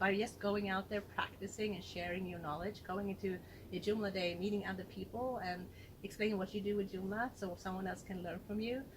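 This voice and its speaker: Noticeable background noise sits behind a woman speaking at a fairly quick pace. Her pitch is medium and her intonation fairly even. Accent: Swedish. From Sweden. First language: Swedish. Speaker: tech entrepreneur. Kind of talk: interview.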